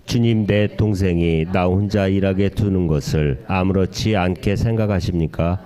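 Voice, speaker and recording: A church congregation reading a Bible passage aloud together at a slow, steady pace. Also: sits low. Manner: slow, steady group recitation. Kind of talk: unison scripture reading. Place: church sanctuary. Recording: voices from a distance.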